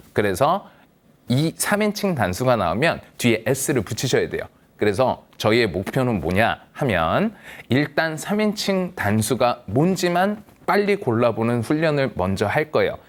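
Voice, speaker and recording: A man teaching a grammar lesson to seniors with a voice that leaps up and down in pitch. He speaks slowly and patiently, asking questions and answering them himself. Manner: lively, coaxing, asks and answers his own questions. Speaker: English teacher.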